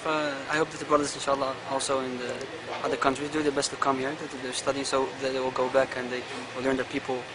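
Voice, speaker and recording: A young man speaks in a strikingly flat monotone, stumbling as he searches for English words. Loud traffic noise fills the outdoor recording behind him. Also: mid-range voice, fast talker, few pauses. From Netherlands. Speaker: third-year hadith student. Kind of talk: recorded testimonial.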